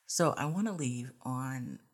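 A woman in her forties hosting a podcast as a coach, talking in a casual, earnest, gently encouraging way and often adding "you know" and "right?". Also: very deep voice, animated, a little slow, slightly rough. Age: 40s. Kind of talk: casual reflective monologue.

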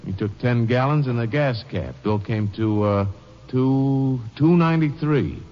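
An actor playing a talkative, folksy gas station attendant who explains things in a rambling, hesitant way, in 1950s radio western style. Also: male voice, medium pitch, unhurried, close to an everyday voice. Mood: rueful. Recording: muffled, noisy, reverberant old radio recording.

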